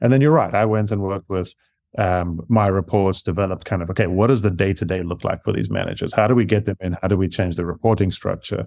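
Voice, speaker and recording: On a very clean recording with a silent background, a man with a South African accent and a fairly low pitch talks at a very fast pace with ordinary pitch variation. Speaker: chief operating officer. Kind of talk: conversational interview.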